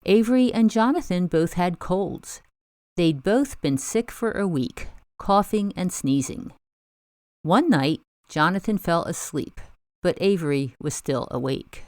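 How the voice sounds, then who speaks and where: A woman host giving scripted narration of a true story in a measured storytelling delivery. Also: on the low side, expressive, darkish tone, no echo, studio quality.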